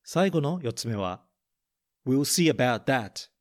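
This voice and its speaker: Slow, even-voiced man reading a storybook. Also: medium pitch. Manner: slow, careful reading of English lines, then Japanese translation; plain explanatory teaching tone. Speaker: podcast host reading a picture book. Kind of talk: bilingual storybook reading and English lesson.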